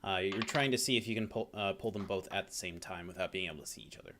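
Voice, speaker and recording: A man with a fairly low voice narrates as dungeon master. He feels his way through each description, stalling on fillers and restarting phrases as he sets the scene. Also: quick pace, very noisy. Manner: hesitant, many fillers and restarts. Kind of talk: narrating a tabletop game.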